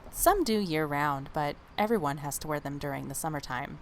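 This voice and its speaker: A woman playing a polite, curious oracle in an audio drama, gentle and inquisitive in manner. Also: deep voice, lively intonation, fairly quick, a little hiss or hum. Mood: matter-of-fact.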